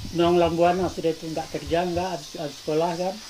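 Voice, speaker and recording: The recording carries noticeable background noise and audible room echo. The speaker is a man. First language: Minangkabau (speaking Indonesian). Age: 70s. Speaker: Minangkabau cultural elder and storyteller. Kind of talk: interview. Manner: casual, conversational.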